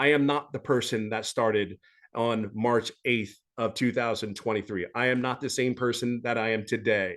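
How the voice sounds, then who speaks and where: A man's plain, everyday voice, medium-pitched and fairly even in intonation, at a moderate pace. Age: 50s. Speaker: success story speaker on a group webinar. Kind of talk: testimony.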